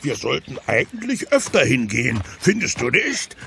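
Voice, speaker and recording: An actor playing a big, naive Gaul warrior who loves a brawl, childlike and booming, in a cartoon audio play. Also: male voice, wildly swooping pitch, moderate pace, vocal fry, bright, forceful tone, slight background noise, heavily acted. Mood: cheerful, musing.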